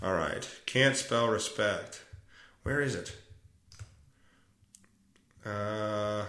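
A man's voice: on the low side, very slow, pushed and bright, slight background noise. A man hosting a casual solo podcast, reading news aloud and reacting with sarcastic, profane, rambling commentary from a room at home. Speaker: podcast host. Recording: roomy echoey home recording.

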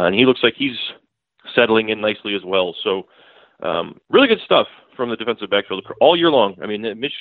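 A man's voice: medium pitch, no echo. A man, a beat writer on the show as a guest, breaks down a football game in casual, rambling talk full of restarts and fillers, calling in by phone. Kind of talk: casual sports analysis. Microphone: phone call. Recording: tinny dry phone line.

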